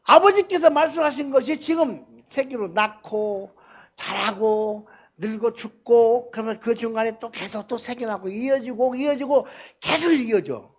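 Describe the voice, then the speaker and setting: Husky older pastor. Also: male voice, very high voice, measured pace. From Korea. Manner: colloquial, swings between loud emphasis and soft asides. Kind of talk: sermon. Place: church prayer meeting.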